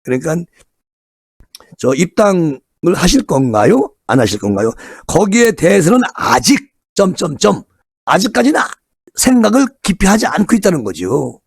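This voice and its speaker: A man with a high, very lively voice talks through a casual political commentary. He is animated and chatty, and he slips into low muttered asides now and then. He sounds close and dry, with no room sound at all. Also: normal speed, creaky, husky, no room sound. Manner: animated, acts out crowd chants in raised voice.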